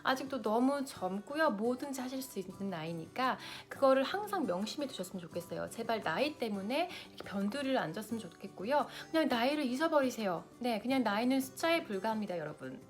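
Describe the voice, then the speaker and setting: A woman's voice: a little high, very animated, a little fast, hardly any pauses, soft background music. A woman in her late thirties, a lifestyle vlogger, talking to camera and giving big-sister advice straight to her viewers. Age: 30s.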